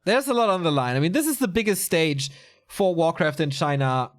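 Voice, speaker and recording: A man's voice: on the high side, lively intonation, brisk. A man giving casual solo commentary on a live strategy game tournament, chatty and answering viewer chat as he goes. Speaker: esports commentator.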